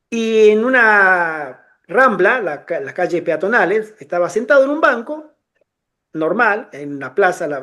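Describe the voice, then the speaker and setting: A middle-aged man telling personal stories in a casual conversation, animated, restarting phrases often and acting out the voices of people in his anecdotes. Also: high-pitched.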